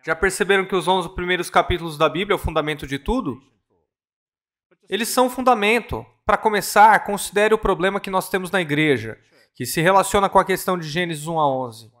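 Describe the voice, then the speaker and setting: Earnest and measured, a man interprets a church conference ministry talk, at times breaking off mid-word to correct himself. He speaks in a high voice that is a bit bright.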